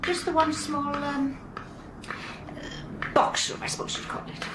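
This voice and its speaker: Evasive Welsh housekeeper, echoey old recording. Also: female voice, sits high, steady tone, takes it slowly, background noise. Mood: evasive, uneasy. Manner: hesitant, reluctant. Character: evasive, deferential Welsh housekeeper, married woman in service. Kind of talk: radio drama acting.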